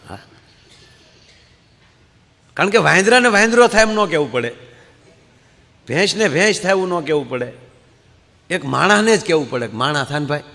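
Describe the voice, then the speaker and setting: A man telling comic folk stories to a live audience, acting out his characters with quick voice shifts. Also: a little high, lively intonation, pushed and bright. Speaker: folk comedian storyteller. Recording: hall reverb.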